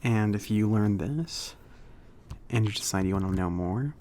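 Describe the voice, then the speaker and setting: A man playing a friendly, slightly awkward mage shopkeeper in a soft-spoken, hesitant, casual ASMR roleplay. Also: on the low side, unhurried, a little hiss or hum, natural voice. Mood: friendly, helpful. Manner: hesitant, rambling, accommodating. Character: friendly, slightly awkward male mage running a magic shop.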